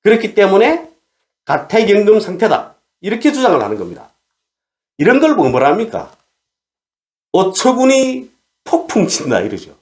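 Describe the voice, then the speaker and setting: A man's voice: sits high, darkish tone. A man giving solo commentary and arguing his point, full of rhetorical questions. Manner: argumentative, asks rhetorical questions. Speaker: commentator on North Korea.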